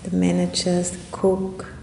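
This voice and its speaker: A woman giving a guided meditation talk as a meditation teacher, speaking in an unhurried, reflective way with long pauses. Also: completely flat delivery, gravelly, darkish tone. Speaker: Buddhist nun and meditation teacher. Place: indoor room at a retreat center. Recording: roomy echo, faint rumbling background noise.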